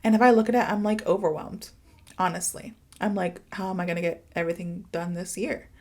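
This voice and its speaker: A woman's voice: fairly low pitch, steady tone, brisk, darkish tone. A woman hosting a casual motivational podcast like a teacher, chatty and informal, with emphatic phrasing and giggly asides. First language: English. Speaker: podcast host and English teacher.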